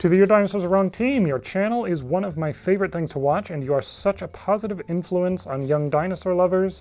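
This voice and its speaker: This man's voice is high in pitch, with ordinary pitch variation. He speaks at a very fast pace. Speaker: video host. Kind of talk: casual vlog chat. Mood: amused, upbeat. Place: studio.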